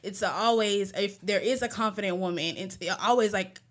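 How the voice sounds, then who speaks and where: A woman's voice: medium pitch, moderate pace, fairly bright tone. A woman co-hosting a casual chat podcast, telling a personal story in a reflective, candid way. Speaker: podcast co-host.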